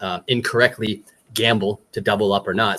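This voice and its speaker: A man with a Boston accent speaks at a fairly low pitch. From Boston, US. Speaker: poker player and coach. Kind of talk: interview. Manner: fast.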